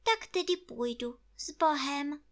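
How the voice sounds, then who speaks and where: A woman voicing a naive, greedy bear cub with a high, squeaky, plaintive voice in a storybook reading. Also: lively intonation. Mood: eager.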